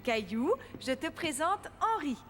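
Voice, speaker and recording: A woman playing a gentle, patient mother in a children's cartoon, speaking in a soothing, reassuring way. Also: high-pitched, very animated, measured pace, a little hiss or hum, exaggerated voice. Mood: patient, kindly. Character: gentle, reassuring young mother of a small boy.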